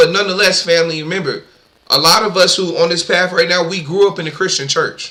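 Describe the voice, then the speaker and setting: This man's pitch is high. He speaks loudly. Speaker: online religious teacher. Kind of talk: religious teaching monologue. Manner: animated.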